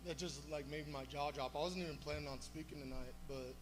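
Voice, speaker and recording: A man giving public comment as a parent at a school board meeting. He talks loudly and rambles, with many fillers. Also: a little high, fairly even intonation, fairly quick, music in the background. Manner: loud, rambling, filler-heavy speech. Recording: echoey hall with background hum.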